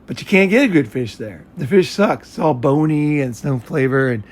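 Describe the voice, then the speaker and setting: A man's voice: on the high side, expressive, normal speed, slight background noise. An American man chatting casually in a rambling, blunt way, with frequent swearing. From United States. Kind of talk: casual chat.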